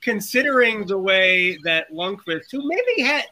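An eager male podcast host with a high, bright voice. He talks with plenty of fillers and false starts as he sets up his questions. His tone is sharp and forward. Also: very animated, measured pace. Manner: eager, chatty, lots of fillers. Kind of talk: casual podcast conversation.

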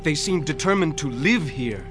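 An actor playing a courteous, self-assured Native American envoy in a radio drama, with a formal and pointed manner. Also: male voice, a little high, expressive, normal speed, close to an everyday voice. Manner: formal, deferential yet pointed. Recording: radio play with music underneath.

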